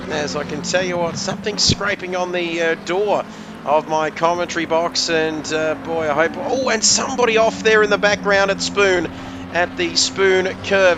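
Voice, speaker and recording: A man's voice: high voice, noisy background. A man commentating a sim race, joking and rambling with his co-host. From Australia. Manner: jokey, rambling banter with co-host.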